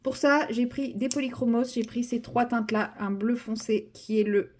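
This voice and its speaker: A woman's voice: fairly high pitch, steady tone, normal speed, darkish tone. A young woman chatting casually about her coloring project, rambling with many fillers and restarts and poking fun at herself. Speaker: coloring vlogger. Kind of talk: casual chat while coloring.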